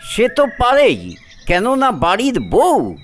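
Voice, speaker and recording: A man playing a patient, devoted old head of a household in a story, speaking in a measured, gentle but firm way. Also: extremely high pitch, huge pitch swings, a little hiss or hum, exaggerated voice. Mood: resigned. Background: music.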